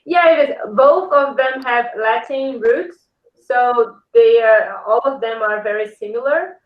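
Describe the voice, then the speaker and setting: A woman's voice: a little high, unhurried. A woman with a Brazilian Portuguese accent speaking English as a second language, chatting as an interview guest. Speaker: podcast guest, house-building company founder. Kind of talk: casual interview conversation. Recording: roomy echo, dull lo-fi call audio.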